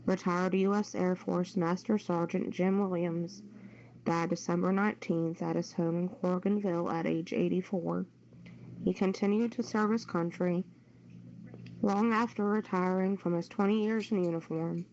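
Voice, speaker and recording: A woman's voice: on the low side, steady tone, normal speed, darkish tone. A woman co-hosting an amateur radio show, reading a news story aloud over lo-fi audio. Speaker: co-host reading news stories. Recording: dull lo-fi audio with faint noise.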